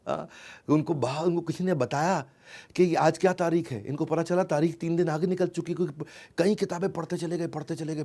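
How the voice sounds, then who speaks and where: A man telling stories in a lively talk, repeating phrases and dropping in tag fillers. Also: on the high side. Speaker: motivational storyteller. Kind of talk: storytelling talk.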